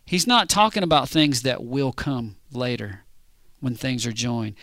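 A man preaching a sermon in a conversational way, often asking the congregation if they understand, and slowing down to read scripture. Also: medium pitch, fairly bright tone, no room sound. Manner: conversational, keeps checking in with the congregation; reads scripture slowly and deliberately.

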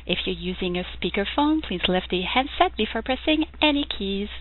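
A woman's voice: mid-range voice, lively intonation, normal speed. A woman working as a conference call operator, giving scripted, formal instructions to callers. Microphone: telephone conference line. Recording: narrow tinny phone-line audio.

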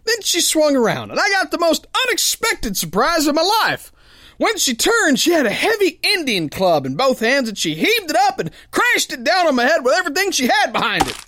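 Actor as a cocky tough boxer, lively delivery. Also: male voice, very high-pitched, a little fast, dry recording, studio quality, heavily acted. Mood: bemused. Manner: folksy slangy tough-guy drawl. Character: tough, cocky, uneducated male sailor boxer telling his yarn. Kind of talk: pulp radio drama narration and dialogue.

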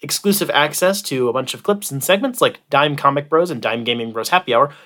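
A man's voice: fairly high pitch, fairly quick, pushed and bright. A man hosting a podcast in casual, profane banter, rambling and joking with a sarcastic streak. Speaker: podcast host.

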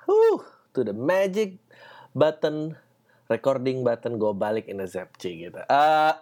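A man's voice: mid-range voice, huge pitch swings, unhurried, darkish tone. A man hosting a solo podcast, talking in a rambling, slangy, profane way with lots of fillers. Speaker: podcast host. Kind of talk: casual solo podcast monologue.

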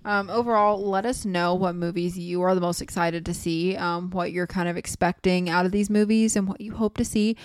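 A woman's voice: fairly low pitch, fairly even intonation, moderate pace, hardly any pauses, smooth, no room sound. A woman co-hosting a podcast, chatting casually late at night in a tired, sleepy voice. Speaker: podcast co-host. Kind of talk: casual chat.

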